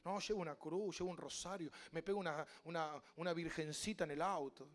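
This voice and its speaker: A man with an Argentine Spanish accent, a pastor preaching a sermon with passion, mimicking voices and building to loud cries. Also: fairly high pitch, steady tone, a little fast, faint music behind.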